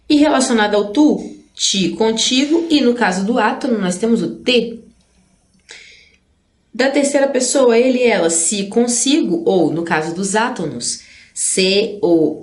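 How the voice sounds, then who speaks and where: A woman's voice: medium pitch, reverberant. A woman with a Brazilian Portuguese accent teaching a recorded grammar lesson, explaining step by step and checking in with the class through frequent tag questions.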